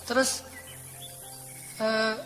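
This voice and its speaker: A man's voice: drawn-out words, sharp tone. A male preacher telling religious stories in a casual, conversational, emotive sermon on a handheld mic in a lecture hall. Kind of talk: storytelling sermon. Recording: long hall reverb, faint music.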